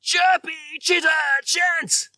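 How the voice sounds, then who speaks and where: A man voicing a feisty, boastful, territorial little robin from a children's storybook, chanting loudly with drawn-out words. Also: very high voice, flat delivery, no echo, clean studio sound, pitched above the performer's own voice, heavily acted. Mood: boastful, defiant.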